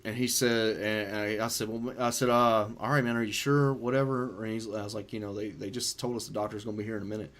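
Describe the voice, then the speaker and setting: A man hosting a podcast, telling a story in a loose, profane, animated way. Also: fairly low pitch, fast, hardly any pauses. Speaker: podcast host. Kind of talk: casual storytelling chat.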